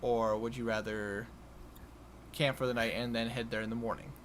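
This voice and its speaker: A man improvising narration as game master of a tabletop game, haltingly repeating and restarting his phrases. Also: medium pitch, flat delivery, fairly bright tone. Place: online voice call. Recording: noisy home voice-chat recording.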